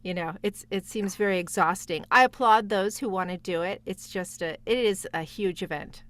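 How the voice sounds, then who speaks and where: A woman's voice: mid-range voice, normal speed, a bit bright. Encouraging woman in a casual chat. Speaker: guest voice actor and playwright.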